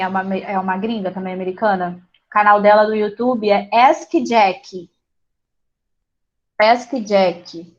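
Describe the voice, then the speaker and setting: A woman's voice: on the high side, lo-fi sound. Chatty woman teaching English online. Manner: chatty, encouraging, laughs easily. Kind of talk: online class, casual teaching.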